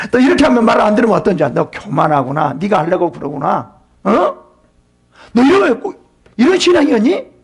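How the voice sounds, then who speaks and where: A man acting out a lecturing friend, impatient, rapid-fire questions, very husky. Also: high-pitched, animated, full character voice. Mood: scolding. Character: self-righteous male friend scolding a sufferer.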